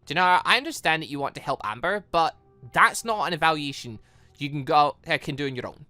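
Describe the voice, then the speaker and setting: A man's voice: on the high side, lively intonation, fast talker, bright, forceful tone, dry recording, soft background music. A man reading the part of a protective, exasperated friend from a visual novel, scolding and insistent. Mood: worried, insistent.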